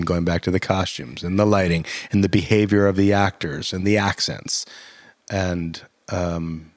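A man's voice: deep voice, no echo. A man who directs theater, answering interview questions in a thoughtful, rambling way with frequent fillers and restarts.

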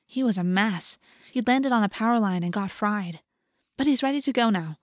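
A woman voicing a gentle, animal-loving teenage girl in an audiobook, earnest and matter-of-fact. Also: medium pitch, normal speed, dry recording, studio quality, close to an everyday voice.

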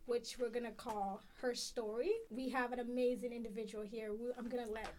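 A woman's voice: on the high side, flat delivery, brisk, a little mellow. Encouraging young woman podcast co-host. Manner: encouraging, lots of mm-hmms. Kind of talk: casual interview.

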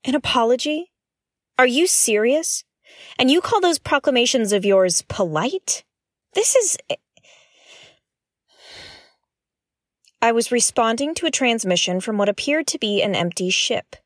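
A woman's voice: a little high, big pitch swings, moderate pace, dry recording, clean studio sound. A woman playing a blunt, suspicious space explorer in a science-fiction audio drama, with an exasperated, sarcastic and emphatic delivery. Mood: indignant.

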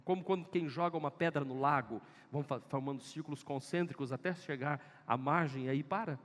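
A male pastor with a Northeastern Brazilian accent, preaching an emphatic sermon full of repeated exhortations in a church. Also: on the high side. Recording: echoey church hall.

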